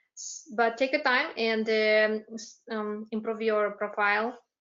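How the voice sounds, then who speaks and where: A woman is speaking here. Her pitch is fairly high, and she talks with a Moldovan accent. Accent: Moldovan Romanian accent in English. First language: Romanian. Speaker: dental student advisory committee member. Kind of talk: webinar panel answering questions. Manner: halting, many fillers and restarts.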